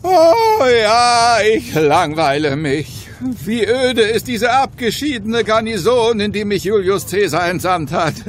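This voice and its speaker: A pompous, music-loving Roman general in a comic cartoon audio play. He speaks high with grand swoops, florid and theatrical, imperious and bored by his post. Faint noise sits behind him. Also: big pitch swings, slow, few pauses, heavily acted. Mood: languid, bored.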